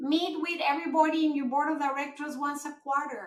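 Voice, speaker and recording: With a Mexican accent, a woman speaks at a fairly quick pace. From Mexico (Mexico City). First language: Spanish. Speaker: marketing executive. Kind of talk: podcast interview.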